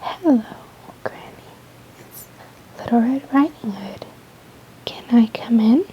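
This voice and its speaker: A woman softly whispering the lines of a trusting, curious young girl in a fairy tale. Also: fairly high pitch, lively intonation, slow pace, lo-fi sound, a little hiss or hum. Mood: wondering. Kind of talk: ASMR storybook reading.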